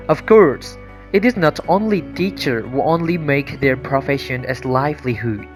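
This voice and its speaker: Young man narrating formally. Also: medium pitch. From Bandung, Indonesia. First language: Indonesian and Sundanese. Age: young adult. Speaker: university student. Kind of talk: scripted profile narration.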